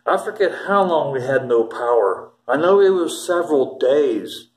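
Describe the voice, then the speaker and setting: A man's voice: fairly high pitch, sing-song, moderate pace, a little mellow. Older man rambling, echoey room. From Ohio, USA. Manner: rambling, emphatic, restarts sentences. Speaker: vlogger. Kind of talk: casual storytelling to camera. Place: small plain indoor room. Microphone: phone camera held close.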